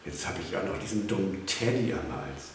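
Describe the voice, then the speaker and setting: A man's voice: deep voice, lively intonation, a little fast. A man voicing a proud, touchy doll in a storybook reading, sulky and disdainful, in an echoey room with faint hiss.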